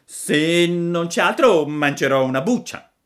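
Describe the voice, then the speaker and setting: A man's voice: fairly high pitch, lively intonation, measured pace, voice pushed up. A man voicing a cheeky, whining wooden puppet boy who sobs and pleads. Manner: whiny, sobbing, pleading.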